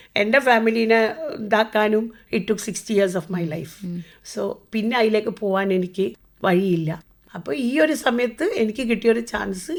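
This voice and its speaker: A woman uses a plain, everyday voice, fairly high in pitch with ordinary pitch variation. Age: 60s. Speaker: chef and food entrepreneur. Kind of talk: radio interview.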